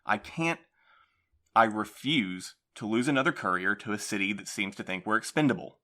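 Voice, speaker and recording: A man's voice: lowish voice, animated, pushed and bright. A man playing a guarded, defensive postmaster. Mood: weary. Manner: measured, placating, defensive. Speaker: postmaster in an audio drama.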